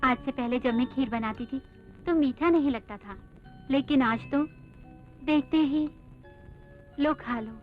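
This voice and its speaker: An actress playing a calm, wise sister-in-law in a dubbed film, earnest and persuasive. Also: female voice, high-pitched, unhurried, pauses often. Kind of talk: Hindi film dub. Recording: tinny dubbed audio with faint music.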